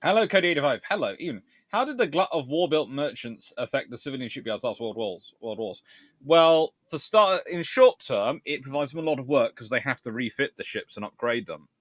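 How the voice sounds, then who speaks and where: Guy doing a live history q&a, kinda rambly, thinking out loud, very dry sound. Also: medium pitch, lively intonation, brisk, no echo. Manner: rambling, discursive, thinking aloud. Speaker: host, history lecturer. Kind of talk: live stream chat, answering viewer questions.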